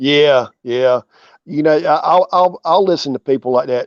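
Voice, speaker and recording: A man in a Carolina accent, fairly high-pitched, at a moderate pace. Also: dry, close sound with no echo. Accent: Carolina twang with elongated O's. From North/South Carolina border. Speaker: YouTube channel host. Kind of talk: casual interview chat.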